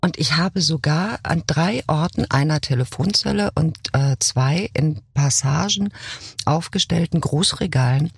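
A podcast guest who acts for a living tells stories with playful, theatrical flair. The voice is somewhat husky and mid-pitched. It is recorded close and dry. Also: a little slow, no echo. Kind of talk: casual podcast chat.

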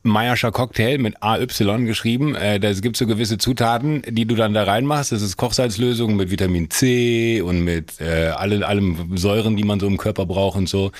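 A man's voice: fairly low pitch, moderate pace, hardly any pauses, no echo, studio quality. A man co-hosting a casual podcast by phone on a video call, teasing and bantering. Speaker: podcast co-host. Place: on holiday, calling in.

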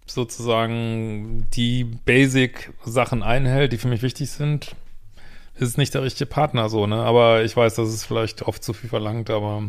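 A man's voice: mid-range voice, level tone, moderate pace, clear, resonant tone. Man, host, blunt, swearing, commenting on a viewer's letter, questioning tags at sentence ends.

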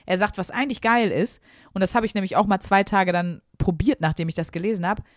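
A woman's voice: medium pitch, fast, no room sound, clean studio sound. A woman co-hosting a podcast, talking through her thoughts in an earnest, chatty way with many fillers. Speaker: podcast co-host. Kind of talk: casual podcast chat.

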